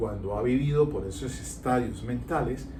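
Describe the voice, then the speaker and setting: A man's voice at a moderate pace, with noticeable background noise and audible room echo. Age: 60s. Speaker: criminal law educator. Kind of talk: reflective monologue. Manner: halting.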